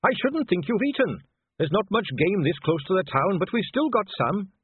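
A man's voice: high voice, big pitch swings, moderate pace, breathy edge, dry recording, voice pushed up, full character voice. A man voicing an earnest, cheerful young male watch captain in an audiobook, polite and eager. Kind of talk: audiobook character voice. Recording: dry, narrow phone-like sound.

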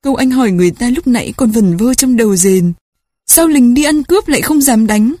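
A woman reading a storybook aloud as an audiobook narrator, measured and in short phrases. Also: on the high side, animated, dark tone, dry recording, clean studio sound.

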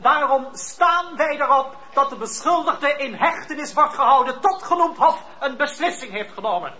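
A man's voice: very high-pitched, expressive, moderate pace, pushed and bright, full character voice. An actor playing a hostile, indignant clergyman who prosecutes in court, formal and insistent, in a radio drama. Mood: insistent demand. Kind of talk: Dutch radio play acting. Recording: dull, lo-fi radio play recording.

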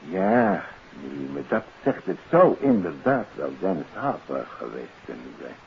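A man's voice: deep voice, very animated, normal speed, vocal fry, exaggerated voice. An actor playing a troubled psychiatrist and father, speaking earnestly and formally in a 1950s radio drama. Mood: perplexed, uneasy. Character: troubled psychiatrist father, baffled by his daughter. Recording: hissy, dull old radio recording.

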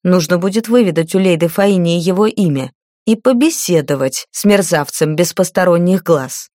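A woman reading an audiobook, voicing a calm, calculating male mage's thoughts in a measured tone. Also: on the low side, no echo, studio quality, lightly acted.

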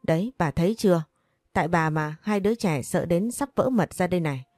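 A woman's voice: fairly low pitch, fairly quick, a little mellow, no echo, faint music behind, lightly acted. A woman voicing a desperate, defiant young mother in a storybook, speaking indignantly and pleadingly.

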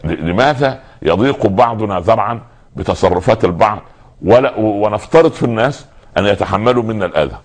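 A man's voice: fairly low pitch, lively intonation, fairly quick. A man preaching a sermon, pressing listeners with rhetorical questions that build in emphasis. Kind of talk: religious sermon.

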